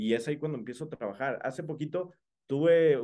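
The background stays quiet while a man talks. He keeps a moderate pace and ordinary pitch variation. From Mexico, Jalisco (San Juan de los Lagos); Jalisco, Mexico. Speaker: entrepreneur and content creator; content creator. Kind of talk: interview conversation. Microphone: video call.

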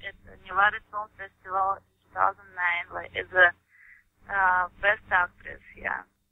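A woman speaks at a fairly slow pace. She has a Russian accent. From Uzbekistan. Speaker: model and actress. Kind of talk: interview. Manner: halting.

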